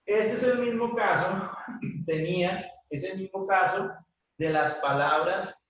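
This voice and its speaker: Teaching grammar in class, a man speaks slowly in a high, fairly bright voice and patiently checks with his students after every point. The audio is dull, the room very echoey, and his voice comes from far off.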